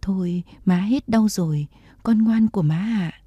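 A woman's voice: medium pitch, measured pace, breathy edge, dry recording, highs cut off. A woman reading the part of a proud, imprisoned woman general and mother, tender with her child and fierce toward her enemies.

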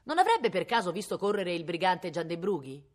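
A woman reading aloud voices a pair of rough male constables who speak bluntly yet deferentially. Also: on the low side, big pitch swings, brisk. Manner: loud shouting, then obsequious. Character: two rough male policemen, deferential to nobility.

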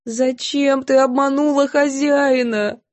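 A woman voicing a timid, weepy young housemaid who wails and sobs high in her voice. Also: steady tone, takes it slowly. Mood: wailing. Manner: wailing, high and tearful.

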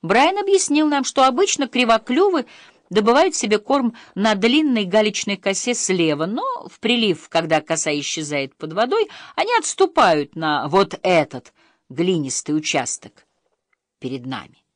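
A woman reading an audiobook aloud, telling a first-person travel story in an expressive storytelling manner. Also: medium pitch, normal speed, dry recording, studio quality. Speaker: audiobook narrator. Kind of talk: scripted audiobook narration.

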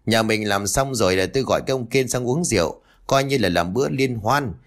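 A man's voice: mid-range voice, fairly quick, lightly acted. A man voicing an angry old grandfather who curses bluntly. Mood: plain. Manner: cursing, blunt.

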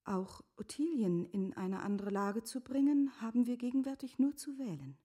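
An actress playing a composed, earnest middle-aged wife in a literary radio drama, speaking formally with a breathy, often hushed delivery. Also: female voice, fairly high pitch, lively intonation, moderate pace. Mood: measured, earnest.

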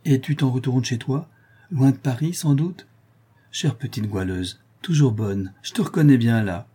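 A man's voice: mid-range voice, a little slow, slightly rough. A man reading an audiobook aloud, voicing a cheerful, talkative young Parisian seamstress. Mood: affectionate. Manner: lively, affectionate, talkative.

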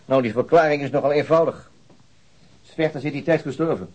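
A man acting a police detective in a radio drama, with a husky voice and a quick pace. He is dry and pensive, thinking aloud. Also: fairly high pitch, darkish tone, natural voice, poor audio. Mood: matter-of-fact. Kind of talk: naturalistic radio play dialogue.

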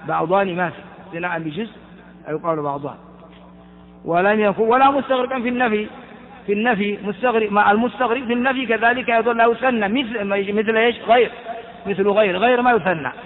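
A man's voice: high voice, fast. A man teaching a classical Arabic grammar lesson, explaining step by step and asking and answering his own questions. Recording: tinny phone-like sound with long reverb.

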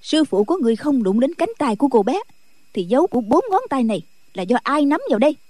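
A man's voice: very high voice, big pitch swings, quick pace, warm tone, no room sound, voice pushed up, heavily acted. A man voicing a hot-tempered older Buddhist nun who scolds sharply. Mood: scolding.

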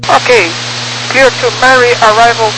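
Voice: mid-range voice, flat delivery, takes it slowly. An airline pilot reading back instructions to air traffic control over a cockpit headset radio, clipped, with hesitant fillers. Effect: pilot talking over the cockpit headset radio. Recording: noisy, distant aircraft radio transmission.

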